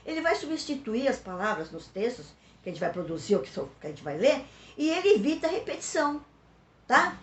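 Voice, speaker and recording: A woman teacher with a São Paulo Brazilian accent explains a lesson for pupils slowly and patiently, repeating key words and checking in with her listeners. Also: on the high side, echoey room. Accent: Brazilian Portuguese, São Paulo.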